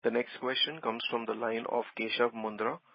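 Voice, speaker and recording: A man's voice: medium pitch, steady tone, moderate pace, creaky, no echo. A man, working as an operator who reads formal, routine announcements between questions on a conference call. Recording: muffled conference call line.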